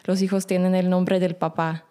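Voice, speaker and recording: Slovak-native woman, hesitant guest, mellow tone, smooth clear voice. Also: on the low side, flat delivery, normal speed. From Slovak minority in Romania. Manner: hesitant, many fillers. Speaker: podcast guest. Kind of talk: casual interview chat.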